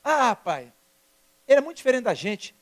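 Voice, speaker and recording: Teenage girl voiced by a man, calm, decided, matter-of-fact, fairly high voice. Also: moderate pace.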